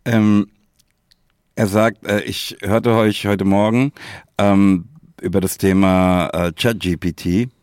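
A man's voice: on the low side, flat delivery, slow, a little mellow, smooth, no room sound, studio quality. A man chatting casually as a podcast co-host, laid-back and colloquial, often tagging phrases with a questioning filler.

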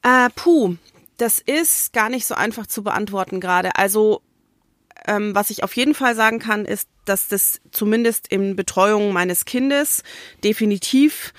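A woman co-hosting a casual podcast chat, telling stories in a lively way and acting out the quotes she retells. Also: mid-range voice, unhurried, no echo, studio quality. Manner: lively storytelling, acts out quotes. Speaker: podcast co-host.

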